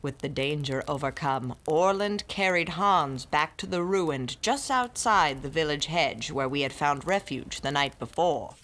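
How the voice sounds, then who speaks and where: Sharp old classicist lady, lowish voice that swings all over, noisy audio drama. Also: lively intonation, measured pace, hardly any pauses. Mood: grave. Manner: theatrical, scholarly, scolding. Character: shrewd older woman classicist storyteller, wry and stern. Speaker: narrator and lead character.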